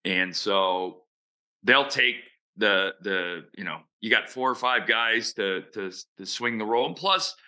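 A man's voice: on the low side, animated, a little slow, sharp tone. A man giving blunt, opinionated baseball analysis in casual podcast chat. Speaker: baseball analyst and show regular.

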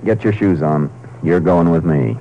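An actor playing a stern, terse Texas Ranger in a steady, matter-of-fact 1950s radio drama style. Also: male voice, sits low, unhurried, muffled recording. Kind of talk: 1950s radio drama acting with first-person narration. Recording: vintage 1950s radio recording.

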